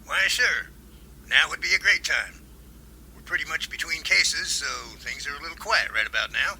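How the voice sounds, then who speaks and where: A man's voice: fairly high pitch, animated, normal speed, pushed and bright, breathy edge, full character voice, rough recording. A man playing a genial, folksy professor and researcher in an amateur audio drama. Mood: affable. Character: genial, enthusiastic male professor and Bigfoot researcher.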